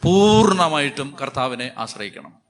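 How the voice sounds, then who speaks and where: A man's voice: a little high, very animated, normal speed. A man with a Malayali accent, a Catholic priest preaching a sermon with emphatic, repeating phrases.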